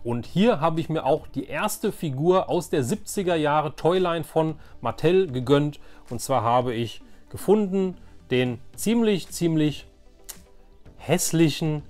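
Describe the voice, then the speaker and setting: A man's voice: fairly high pitch, lively intonation, measured pace, darkish tone, soft background music. A man hosting a collecting video in a casual, chatty and enthusiastic show-and-tell style, often correcting himself as he goes. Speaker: host of a vintage toy collecting channel.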